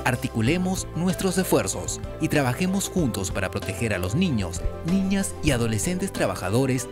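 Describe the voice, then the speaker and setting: A man's voice: mid-range voice, big pitch swings. Formal male narrator over music. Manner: measured, formal. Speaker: video narrator. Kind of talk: scripted narration.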